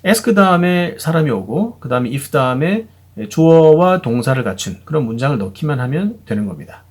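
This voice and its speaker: A man's voice: on the high side, sing-song, normal speed. A man teaching English pronunciation in a patient, chatty video lesson, often checking in with the viewer. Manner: patient, chatty, frequent fillers and "그죠?" check-ins.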